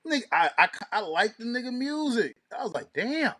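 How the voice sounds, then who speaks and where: A man's voice: extremely high pitch, very animated, moderate pace, bright, forceful tone. A man co-hosting an online show, chatting casually with heavy slang.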